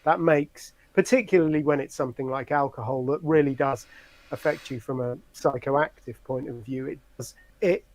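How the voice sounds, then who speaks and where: A man speaking as an interview guest in a thoughtful, measured way, with hedging fillers. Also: medium pitch, a little mellow, no room sound. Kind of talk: conversational interview.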